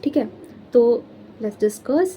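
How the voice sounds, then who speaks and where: Indian woman tutor, mellow voice. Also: a little high, lively intonation, drawn-out words, a little hiss or hum. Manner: Hindi-English code-mixing, friendly teacherly tone with repeated check-ins. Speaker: law tutor. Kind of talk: exam-prep lesson.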